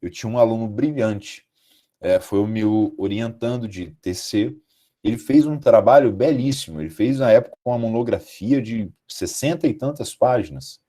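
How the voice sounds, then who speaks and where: A man's voice: on the low side, moderate pace, dark tone. A Brazilian man, a law professor, giving a live online lecture to his students, emphatic and full of rhetorical questions. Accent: Brazilian Portuguese.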